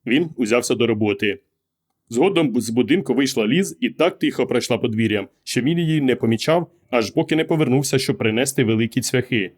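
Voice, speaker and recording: A man narrating a short story as an audiobook in a calm, measured way. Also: mid-range voice. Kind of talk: scripted narration.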